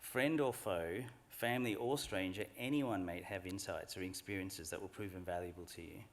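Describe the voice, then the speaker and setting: Measured man giving a ceremony address. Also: sits low. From Australia. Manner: measured, earnest, reflective speech delivery. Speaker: graduation speaker. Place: large ceremony hall.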